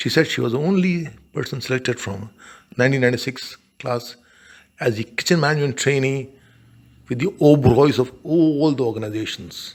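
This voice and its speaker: Medium in pitch, a man with an Indian accent speaks at a fairly quick pace with long, frequent pauses. The recording is very clean, with a silent background. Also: ordinary pitch variation. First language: Tamil. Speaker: hospitality professor. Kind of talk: storytelling. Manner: halting.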